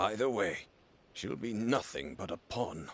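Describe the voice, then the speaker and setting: A man in a put-on character voice, raspy and fairly low, with very wide pitch swings at a moderate pace. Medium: video game. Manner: serious, authoritative.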